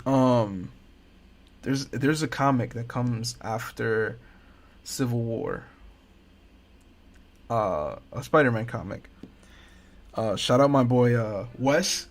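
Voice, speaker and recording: A young man talks his way through a casual reaction stream in an unhurried drawl. He leans on slang, restarts his sentences and throws in excited asides. His voice sits at an ordinary middle pitch. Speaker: host.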